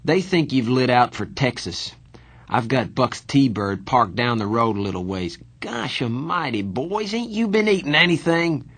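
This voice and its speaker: A man voicing a tough, sardonic young male street hood in an audiobook, rough and blunt, with slangy teasing talk. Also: mid-range voice, sing-song, a little slow, fairly bright tone, full character voice. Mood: brash. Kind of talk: audiobook character dialogue.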